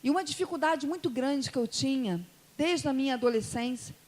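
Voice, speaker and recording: A woman pastor from Brazil, her Brazilian Portuguese marked by an Espírito Santo accent, delivers a story-filled sermon in a high voice, a little fast. Soft asides give way to loud emotional peaks, and the hall adds long reverb.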